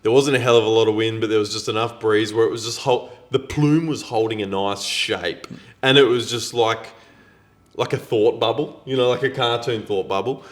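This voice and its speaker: An Australian man co-hosting a podcast, telling anecdotes in casual chat with a blokey, slangy, animated manner. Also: fairly low pitch, moderate pace. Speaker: podcast co-host.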